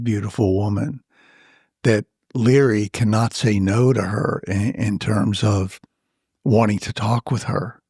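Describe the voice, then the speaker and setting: An older man with a slightly husky voice speaks slowly and thoughtfully as an author being interviewed. He pauses often and fills the gaps with "you know". The sound is close and dry. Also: on the low side, a little mellow, no room sound. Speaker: author and guest. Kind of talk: reflective interview storytelling.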